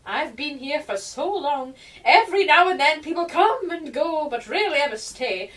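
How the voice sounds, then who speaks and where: A woman playing a sentimental, rambling dead old woman in a radio play, gentle one moment and snappish the next. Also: high-pitched, lively intonation, moderate pace. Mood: wistful. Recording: distant microphone.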